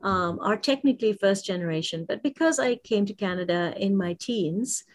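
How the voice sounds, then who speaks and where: A woman's voice: medium pitch, normal speed. Reflective woman co-host. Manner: reflective, emphatic. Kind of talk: casual panel chat.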